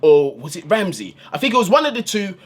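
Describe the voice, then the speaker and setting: A man's voice: high-pitched, brisk, slight background noise. Slangy man breaking down a match. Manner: casual, slangy, animated fan talk. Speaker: football fan channel host. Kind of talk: post-match analysis monologue. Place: hot indoor room.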